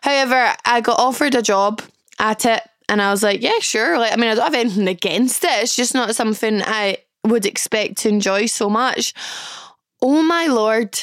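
Glaswegian woman host, young, hoarse and croaky, high voice, dry close sound, bubbly and chatty. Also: moderate pace, a bit bright, no echo. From Scotland. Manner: bubbly, chatty, swearing freely. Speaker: podcast host. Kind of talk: casual chat.

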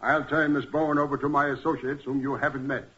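Sharp-voiced, smug radio villain, acted by a man. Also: mid-range voice, flat delivery, natural voice. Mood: gloating. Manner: smooth-talking, gloating, deliberate. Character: smug, scheming male villain, coolly menacing. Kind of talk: 1940s radio crime drama acting. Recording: muffled, dull vintage 1940s radio recording.

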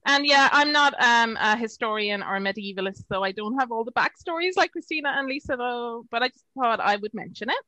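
A woman's voice: fairly high pitch, brisk, hardly any pauses, pushed and bright, no room sound, low-quality recording. A woman from Ireland with an Irish accent, chatting casually on a podcast, a bit hesitant with dry humor. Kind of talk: casual chat.

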